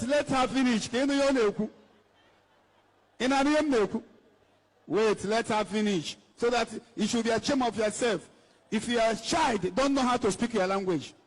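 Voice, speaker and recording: A man with a Nigerian English accent preaches with a strikingly high voice, scolding and emphatic, repeating his points. His words ring out through a large hall with a long, lingering echo. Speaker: evangelist. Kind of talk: preaching to a congregation, switching between English and Igbo. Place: church hall with an altar.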